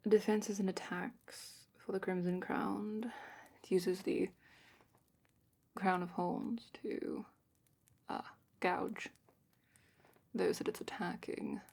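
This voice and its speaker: Female performer as dragon expert, ASMR roleplay. Hushed and matter-of-fact, breathy half-whisper with creaky edges, explanatory. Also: medium pitch, flat delivery, slow, long pauses, full character voice. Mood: calm, instructive. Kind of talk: soft-spoken fantasy ASMR roleplay, partly whispered.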